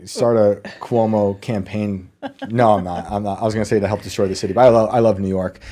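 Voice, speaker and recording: A man's voice: on the low side, steady tone, a little fast, dark tone. A man hosting a podcast interview, wry and joking, laughing often. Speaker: podcast host. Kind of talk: casual interview chat.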